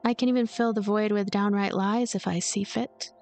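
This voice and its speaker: A woman's voice: medium pitch, fairly even intonation, normal speed, darkish tone, soft background music, natural voice. A woman voicing a lonely, blunt and protective young ghost girl in a visual novel, earnest and plain-spoken. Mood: defiant, earnest.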